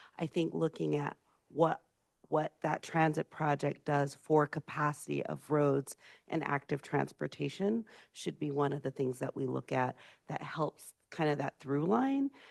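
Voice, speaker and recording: A woman at a fairly slow pace, with a dry, close sound and no echo. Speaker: committee member. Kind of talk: committee meeting discussion. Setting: meeting room with microphones. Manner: loud.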